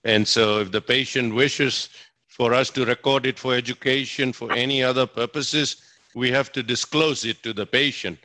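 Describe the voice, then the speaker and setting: A man's voice: medium pitch, steady tone, normal speed, bright, forceful tone, no room sound. A man from Fiji speaking as a physician answering questions, enthusiastic and emphatic, often repeating himself. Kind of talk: spoken question-and-answer at a presentation.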